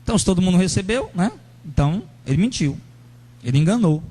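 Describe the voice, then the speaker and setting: A high-pitched male pastor preaching to his congregation in a lively, animated way. He speaks straight to members of the church and acts out the angry believers he describes with a raised, shouting voice. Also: fast talker. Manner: addresses congregation members directly. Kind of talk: sermon.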